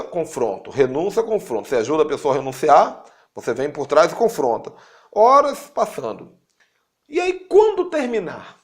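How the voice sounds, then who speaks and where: A man with a Brazilian Portuguese accent giving an informal spiritual teaching, animated and repetitive, speaking straight to his listeners. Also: creaky. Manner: animated, acts out quotes with sudden high-pitched jumps; repeats words for emphasis, addresses listeners directly. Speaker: apostle teaching a course.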